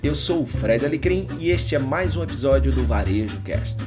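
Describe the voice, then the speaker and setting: A man's voice: mid-range voice, lively intonation, moderate pace, over music. A man hosting a podcast interview, talking in a chatty, informal way with restarts. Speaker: podcast host. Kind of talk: casual interview. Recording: crowd noise behind.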